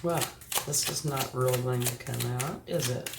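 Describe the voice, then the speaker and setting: Speaking at normal speed, a woman with a creaky bass voice reads tarot straight to the viewer. Her tone is reassuring despite sniffles from a recent flu, and she uses "okay" and "right" a lot. The room is echoey, with a faint background hum of noise.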